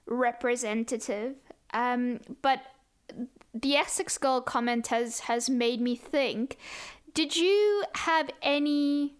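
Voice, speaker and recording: Clear, higher-voiced woman interviewer. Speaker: interviewer and host. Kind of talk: conversational interview hosting.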